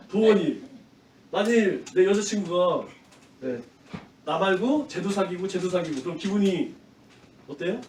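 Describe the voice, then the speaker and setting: A male pastor giving a lively children's sermon in church, asking the kids questions and acting out shouting crowds. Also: high voice, recorded from a distance, slight background noise. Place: church sanctuary. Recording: roomy echo from off-mic.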